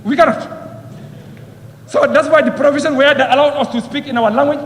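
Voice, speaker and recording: A male member of parliament speaks fairly quickly in a very high voice with a steady tone, giving a heated speech full of repeated phrases and rhetorical questions. The parliament chamber's echo leaves a long reverb.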